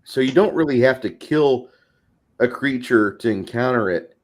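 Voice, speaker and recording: A man's voice: medium pitch, moderate pace. A man casually explaining ideas as host of a tabletop gaming discussion, in a rambling, recommending way.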